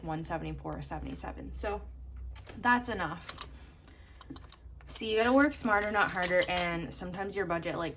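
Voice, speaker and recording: A young woman from Canada, slightly hoarse from a coming cold, chatting casually as she counts bills aloud in a steady rhythm. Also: fairly low pitch, slight background noise. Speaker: budgeting vlogger. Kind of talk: casual narration while counting cash.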